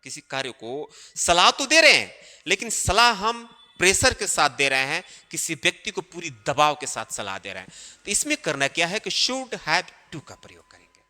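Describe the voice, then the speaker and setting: A man's voice: on the high side, very animated, moderate pace, pushed and bright, in a large hall. A man teaching English grammar step by step, drawing out the English words and often checking in with the viewer. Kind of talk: grammar lesson.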